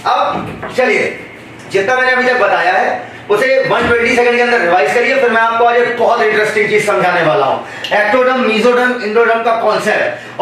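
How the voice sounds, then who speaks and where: A man's voice: very high voice, pushed and bright. A man teaching biology to a class. He calls the students "beta" and keeps asking questions for them to answer. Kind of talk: classroom lecture. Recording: echoey classroom from far off.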